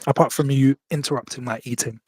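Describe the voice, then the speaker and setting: A man's voice: medium pitch, steady tone, fast, a little mellow, no room sound. A man hosting a casual podcast in an upbeat, easygoing way. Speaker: podcast host. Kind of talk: casual chat.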